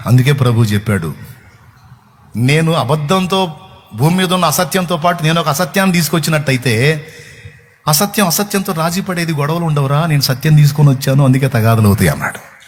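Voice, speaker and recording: A male pastor delivering an impassioned sermon. His voice sits a little high. He keeps pressing his listeners with rhetorical questions. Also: animated, a little fast.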